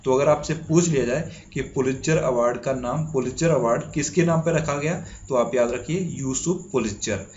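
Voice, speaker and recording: A current affairs exam tutor from India runs a spoken quiz lesson, reading out questions and repeating each answer as he asks and answers himself. His medium-pitched, darkish voice moves at a moderate pace with hardly any pauses. The highs are cut off, with a little hiss or hum.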